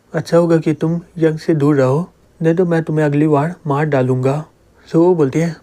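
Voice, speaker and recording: A man's voice: a little high, dark tone. A man retelling a comic's story as a narrator, reading every character's lines in the same plain voice.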